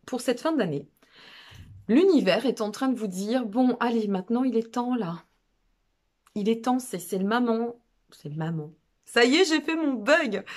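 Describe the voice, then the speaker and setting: A woman with a Burgundian French accent chatting casually to her viewers as a channel host, digressive and self-mocking, repeating phrases for emphasis. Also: a little high. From Burgundy, France. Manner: emphatic repetition to drive points home. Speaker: online guidance reader and channel host.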